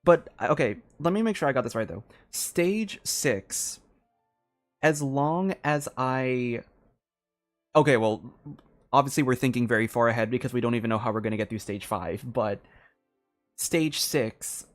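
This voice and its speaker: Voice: medium pitch, unhurried, faint music behind. A game streamer talking casually and thinking aloud, in an informal, hesitant and rambling way. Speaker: livestreamer playing a game.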